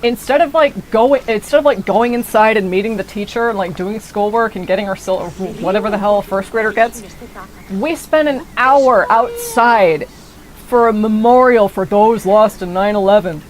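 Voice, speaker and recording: A woman's voice: medium pitch, normal speed, darkish tone. A woman in her twenties from the United States giving casual, rambling gameplay commentary, swearing freely. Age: 20s. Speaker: streamer.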